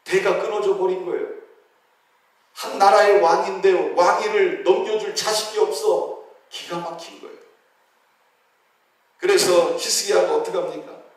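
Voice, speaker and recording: A man preaching a lively sermon with a high voice. He asks questions of the congregation and answers them, and he briefly voices the figures of a Bible story. He is recorded from a distance in a church hall with heavy echo. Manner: acts out the voices of biblical figures in dialogue. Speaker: pastor. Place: church sanctuary. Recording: very echoey hall, heard from a distance.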